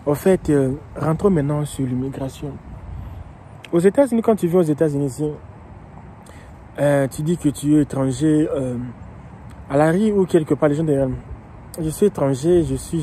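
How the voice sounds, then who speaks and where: A man talks through immigration questions, with a very dark, mellow tone on a slightly raised pitch. He goes slowly, repeating himself and pausing on fillers. Faint city traffic hums behind him outdoors. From Democratic Republic of the Congo. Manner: slow and repetitive, with frequent hesitations and restarts. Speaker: immigration vlogger and coach. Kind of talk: casual explanatory monologue.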